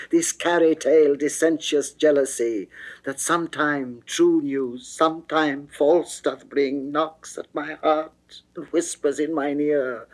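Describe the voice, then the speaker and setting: A man in a classical dramatic poetry reading from the 1960s, voicing a fearful, pleading goddess of love in a measured, declamatory manner. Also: a little high. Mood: foreboding. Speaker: reader of dramatic verse. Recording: early 1960s studio recording.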